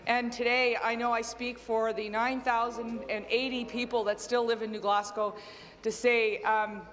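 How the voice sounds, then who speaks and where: A woman from Nova Scotia, Canada, gives an earnest, formal speech as a legislator in a legislative chamber, using frequent fillers when speaking off the cuff. Her fairly high, slightly bright voice is flat, at a moderate pace, in a large hall.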